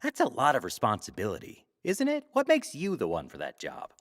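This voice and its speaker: An actor playing a glib, teasing talk show host in a sci-fi audio drama, wry, theatrical and probing. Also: male voice, mid-range voice, wildly swooping pitch, fairly quick. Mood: playful, teasing.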